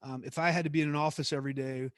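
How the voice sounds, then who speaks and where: A man's voice: a little high, fairly even intonation, rapid-fire, dry recording. Middle-aged male guest speaker, easygoing and reflective, frequent restarts, dry recording. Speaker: guest speaker, former theme park executive. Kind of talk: conversational class talk.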